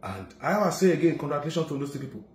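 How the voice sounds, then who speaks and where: Middle-aged nigerian guy preaching to camera, slightly high voice, solemn then loud. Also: big pitch swings, rapid-fire. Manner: preachy, swings from low solemn murmurs to loud declarations. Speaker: political commentator. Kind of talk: emphatic video commentary. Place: indoor office room. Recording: echoey room.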